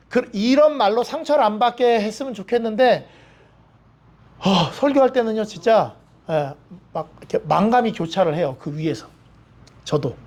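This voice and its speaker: A man's voice: sits high, darkish tone. A male pastor preaching a sermon in a church, blunt and plain-spoken, mixing jokes into stern points. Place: church sanctuary.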